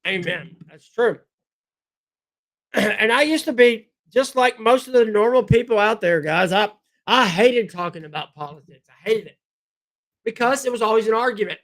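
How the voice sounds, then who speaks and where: Man host, high and bright, blunt and combative, voice wearing out. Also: animated, a little slow. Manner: blunt, combative, talks straight to chat. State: losing his voice, clears throat. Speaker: livestream host. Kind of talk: political commentary livestream.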